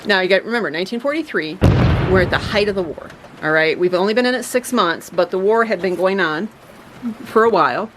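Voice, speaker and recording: A woman's voice: medium pitch, a little fast, noisy background. A woman hosting a family homestead channel, talking casually and chattily with many fillers and restarts. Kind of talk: casual talk to camera.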